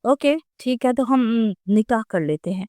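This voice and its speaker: A woman voicing a gentle reassuring male boss. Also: on the high side, expressive, no echo, studio quality, close to an everyday voice.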